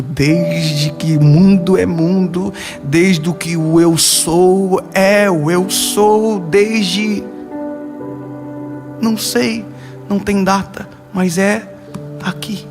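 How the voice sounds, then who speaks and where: A young man preaches in Brazilian Portuguese, telling a story as he moves between rising emphasis and low, hushed lines in a sermon.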